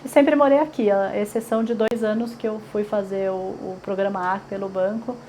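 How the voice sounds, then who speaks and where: A woman's voice: mid-range voice, fairly even intonation, normal speed, dark tone, a little hiss or hum, low-quality recording. Chatty São Paulo woman reminiscing. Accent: Paulistano Brazilian Portuguese. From São Paulo, Brazil. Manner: chatty, frequent fillers and tag questions. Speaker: interviewee. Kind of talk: oral history interview.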